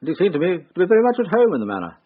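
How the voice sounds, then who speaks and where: An actor playing a proud, aggrieved middle-aged country squire in a period radio drama, formal and stiff. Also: male voice, high voice, wildly swooping pitch, racing, slightly rough, heavily acted. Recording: thin, tinny radio recording.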